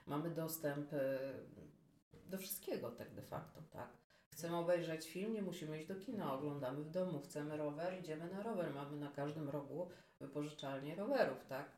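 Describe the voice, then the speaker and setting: A woman's voice: deep voice, moderate pace, darkish tone, recorded from a distance. A woman guest who runs a fashion business, talking casually and hesitantly with many fillers. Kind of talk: casual conversational interview. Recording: roomy echo, speaker off-mic.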